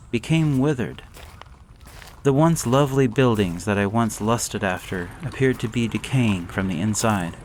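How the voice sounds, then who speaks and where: A man narrating a gothic horror story in a measured, deliberate way. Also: lowish voice, slight background noise.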